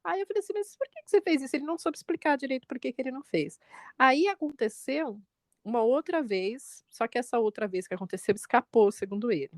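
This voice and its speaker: A woman in her forties, a mother co-hosting a podcast, telling a family story in lively chat and jumping up in pitch when she quotes people. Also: fast, no echo, clean studio sound. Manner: animated retelling, quotes her son with pitch jumps.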